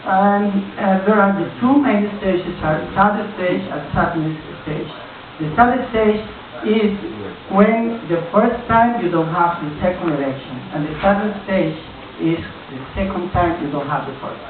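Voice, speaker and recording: In a small club, a Colombian man in his forties whose first language is Spanish does stand-up in a high-sitting voice, stumbling, restarting and groping for words. Crowd noise and laughter come through on a distant, echoey, tinny recording.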